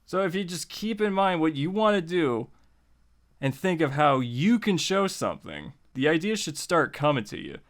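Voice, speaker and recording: A man's voice: on the high side, fairly bright tone. A man hosting a tutorial in a casual, conversational way, informal and repeating phrases for emphasis. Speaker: host of a tutorial series. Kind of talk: casual, conversational writing lesson.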